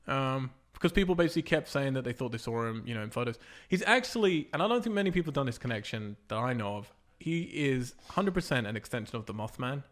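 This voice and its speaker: A man's voice: mid-range voice, animated, quick pace. A young man hosting a podcast, reading entertainment news and chatting casually, laughing often. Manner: chatty, reads quotes aloud, laughs often. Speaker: podcast host.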